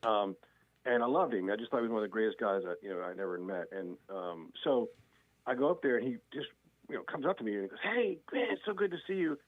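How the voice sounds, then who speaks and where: A man's voice: lowish voice, fast talker, dry recording, phone-quality sound. A middle-aged man calling into a radio show, telling stories casually with lots of fillers. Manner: rambling storyteller, many fillers. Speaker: guest on the show.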